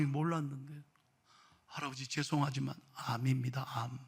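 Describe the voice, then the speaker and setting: A pastor delivers an animated sermon with a storytelling flow. His high voice sounds bright and gravelly, and his pitch swings widely.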